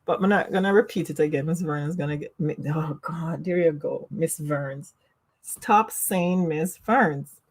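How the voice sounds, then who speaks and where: A woman's voice: sits low, unhurried. A woman with a Jamaican accent hosting a casual livestream, chatting with viewers and laughing often at herself. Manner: giggly, laughs often, self-teasing. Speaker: livestream host. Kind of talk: casual livestream chat reading comments.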